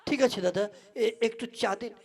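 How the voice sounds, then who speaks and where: A woman's voice: on the high side, fairly quick, darkish tone, husky. A woman playing a courteous, hesitant man who is a stranger in a village, in a comic puppet play. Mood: hesitant, insistent. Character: polite, hesitant, increasingly impatient male stranger seeking directions.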